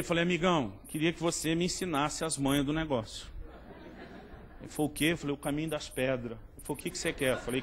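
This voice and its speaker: A middle-aged Brazilian man preaching a sermon with a Brazilian Portuguese accent, telling stories with humor and acting out dialogue. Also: a little high. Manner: humorous, animated, acts out dialogue. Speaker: pastor. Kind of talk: sermon with storytelling.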